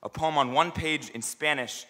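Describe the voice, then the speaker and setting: Guy doing slam poetry, earnest n emphatic, kinda high bright voice, big hall reverb. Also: normal speed. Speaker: slam poet. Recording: reverberant hall, live stage performance.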